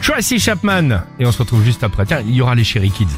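A man hosting a morning radio show, upbeat and teasing in lively banter. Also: medium pitch, fast talker, over loud music.

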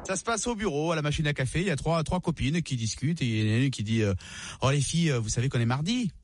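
A man telling a joke at an even, measured pace, with small hesitations. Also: on the high side, heavy background noise. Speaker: joke teller. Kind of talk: telling jokes aloud.

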